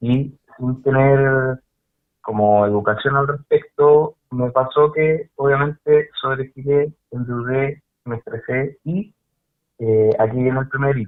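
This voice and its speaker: Talking at a very slow pace, a man keeps a medium pitch and fairly even intonation. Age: 30s. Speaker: schoolteacher calling in about debt. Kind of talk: call-in conversation about personal finances. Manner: halting, many fillers.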